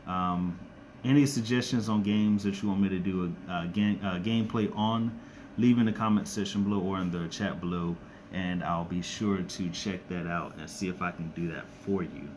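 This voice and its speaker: Low-voiced raspy man, live-stream chat. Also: background noise. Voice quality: raspy and monotone. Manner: halting, many ums and restarts. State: scratchy throat from a cold. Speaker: YouTuber doing a live stream. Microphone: close to the screen and device.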